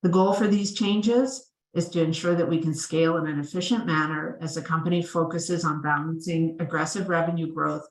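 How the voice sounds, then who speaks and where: A woman finance executive giving a prepared, formal, measured presentation on an earnings call. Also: sits low, steady tone. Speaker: chief financial officer presenting results. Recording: roomy, echoing sound.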